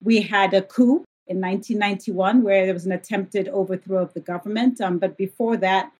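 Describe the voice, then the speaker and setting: Woman, 50s, economist guest, husky voice, thoughtful, lots of fillers. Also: medium pitch, steady tone, a little fast, darkish tone. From Zambia. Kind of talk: interview conversation.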